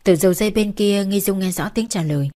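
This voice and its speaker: A woman's voice: mid-range voice, fast talker, mellow. A woman reading a novel aloud as narrator, taking every role in the same plain voice.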